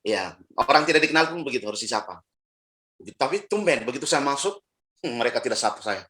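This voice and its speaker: A middle-aged pastor from Timor-Leste preaches a storytelling sermon. He acts out other people's voices as he goes, his pitch jumping high and dropping low, and he breaks into laughter often. His voice sits in a middle register. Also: expressive, quick pace, sharp tone.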